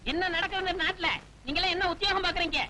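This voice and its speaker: An actor playing a muddled, forgetful young college student in a film comedy, bickering in a bewildered way. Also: male voice, very high voice, steady tone, quick pace, sharp tone, a little hiss or hum, heavily acted. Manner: bewildered, bickering comic delivery. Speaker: comic lead in a film.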